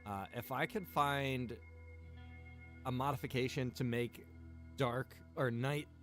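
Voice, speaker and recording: A man's voice: medium pitch, fairly even intonation, takes it slowly, a bit bright, soft background music. A man live streaming a game, talking casually to viewers and thinking aloud in an informal, chatty way.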